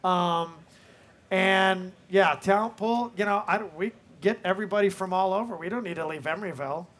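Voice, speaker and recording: A man with a fairly high speaking voice answers questions from a live audience. He is a film director talking off the cuff, looping back on himself and filling gaps with "you know". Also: moderate pace, a bit bright. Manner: rambling, leans on "you know".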